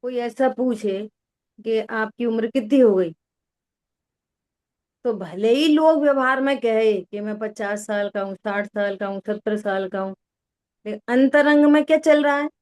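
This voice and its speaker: Female spiritual teacher, fairly high voice, slow deliberate delivery, quizzes her listeners. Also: a little mellow. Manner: asks listeners questions, repeats key words. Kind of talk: slow religious discourse with listener check-ins.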